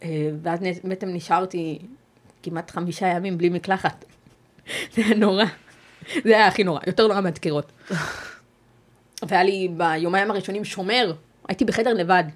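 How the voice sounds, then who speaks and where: A woman with a somewhat low-pitched voice gives personal testimony as a guest on an interview podcast. Her delivery is measured and halting, broken by pauses and restarts as she searches for words. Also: steady tone.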